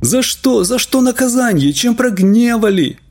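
A frantic middle-aged peasant father begs and cries out in a high, breaking voice, as a man puts him on. The tone stays husky underneath, with shouted pleas in an audiobook reading. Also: animated, a little slow, full character voice. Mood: despairing.

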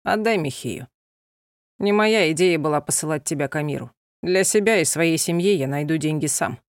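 A woman's voice: deep voice, moderate pace, no echo, studio quality, pitched below the performer's own voice. Woman voicing a stern proud gypsy man. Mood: cold. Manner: cold, curt and commanding.

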